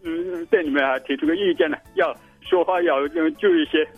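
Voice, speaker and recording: A male caller talks casually on a dull, lo-fi phone line. His slightly high voice is creaky, and he speaks haltingly, repeating words as he searches for the next. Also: sing-song, soft background music. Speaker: radio listener phoning in.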